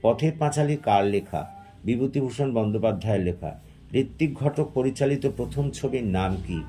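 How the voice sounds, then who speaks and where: A male teacher with a medium-pitched voice reads exam questions aloud along with their answers at a moderate pace, in a steady question-and-answer dictation.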